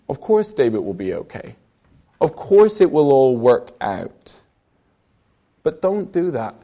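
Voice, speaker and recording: An Irish man in early adulthood preaches with an earnest, conversational manner. He moves between reading scripture and telling personal stories. His voice sits a little higher than most men's. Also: mellow. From Ireland. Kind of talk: sermon.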